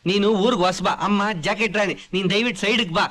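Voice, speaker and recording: A man's voice: sits high, quick pace, pushed and bright. An actor playing a loyal village henchman in a film, who blusters and threatens on behalf of his boss. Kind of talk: film comedy scene.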